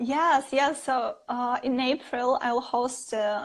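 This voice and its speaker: With a Russian accent, a woman speaks at a very slow pace. Her pitch is high and her intonation fairly even. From Russia, Saint Petersburg. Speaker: sketching teacher and host. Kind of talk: live stream interview. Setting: Instagram live stream.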